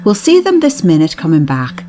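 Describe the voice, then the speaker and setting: A woman's voice: low-pitched, huge pitch swings, brisk, music in the background. A woman voicing an anxious young peasant girl, speaking urgently. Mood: reassuring.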